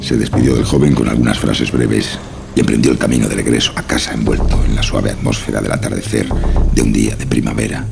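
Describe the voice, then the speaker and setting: A man's voice: rumbling low, fairly even intonation, a little fast, vocal fry. A man narrating a scripted horror story. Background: music.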